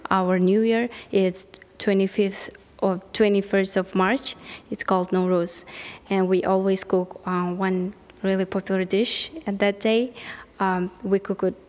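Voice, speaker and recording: A woman explains in short, simple sentences with a fairly flat melody. Her voice carries a long reverb. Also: mid-range voice, measured pace. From Kyrgyzstan. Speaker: interviewee.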